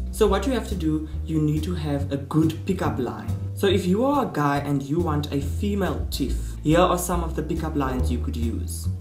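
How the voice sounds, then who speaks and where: A man with a very deep, low voice speaks at a moderate pace with hardly any pauses, with music in the background and audible room echo. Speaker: comedy vlogger. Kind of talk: comedic vlog chat. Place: home room. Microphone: webcam.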